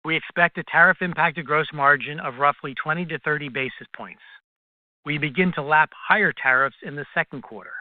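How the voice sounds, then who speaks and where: A fairly high-pitched male finance executive speaks over a thin, phone-like connection. He reads a scripted financial presentation in a formal, measured manner, as on an earnings call. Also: dry recording. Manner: formal, measured reading of prepared remarks. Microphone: conference call line. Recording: tinny, dry phone conference line.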